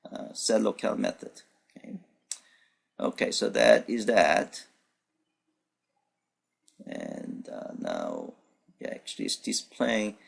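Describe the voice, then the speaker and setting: A man's voice: on the low side, huge pitch swings, slow pace, gravelly, long pauses, husky. A male programming instructor whose first language is Korean, narrating a screen-recorded demo unscripted, thinking aloud with many fillers and restarts. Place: at his computer, voice-over on screen recording.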